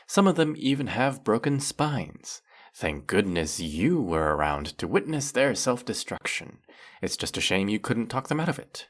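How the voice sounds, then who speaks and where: A man's voice: on the low side, big pitch swings, normal speed. A man playing a teasing, sarcastic, flirtatious male faerie in a scripted roleplay monologue, scolding the listener with dry, theatrical playfulness. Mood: sarcastic, mocking.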